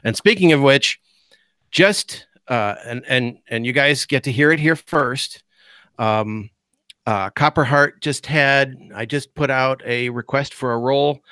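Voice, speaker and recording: Bright, dry-voiced man chatting casually. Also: mid-range voice, measured pace, clean tone, dry recording. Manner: rambling, many fillers and restarts. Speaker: guest host, podcast creator. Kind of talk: casual video call chat.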